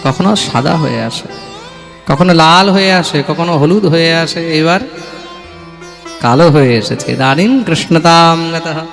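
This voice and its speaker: High-voiced male preacher chanting verses. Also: measured pace, creaky, fairly bright tone. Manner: chants Sanskrit verses and calls out for responses. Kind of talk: devotional sermon. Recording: reverberant hall with music.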